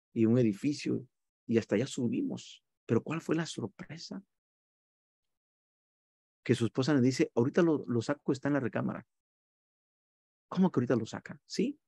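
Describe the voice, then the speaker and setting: A man's voice: medium pitch, vocal fry, dark tone, slightly rough, no room sound. A man giving an earnest, teacherly lecture on preaching over a video call, with many fillers. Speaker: speaker on evangelism.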